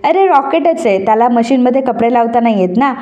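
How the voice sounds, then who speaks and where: A woman's voice: a little high, lively intonation, brisk, warm tone, lo-fi sound, natural voice. A woman voicing a playful, teasing young wife in a retold soap story. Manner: chatty, teasing.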